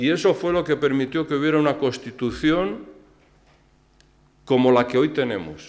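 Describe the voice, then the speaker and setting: A man with a fairly high pitch and vocal fry keeps his loudness very even. He leaves long, frequent pauses. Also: ordinary pitch variation, moderate pace. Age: 60s. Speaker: panel speaker. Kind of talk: panel debate. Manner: animated.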